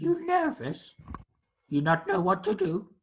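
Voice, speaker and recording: The voice is a put-on character voice at a middle pitch. It moves at a fairly slow pace. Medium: actual play. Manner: broken grammar, eager.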